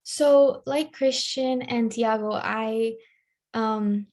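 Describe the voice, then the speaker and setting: A woman's voice: on the high side, steady tone, extremely slow, darkish tone. A teenage girl from Ecuador, a student on a panel, answering in an earnest, reflective way.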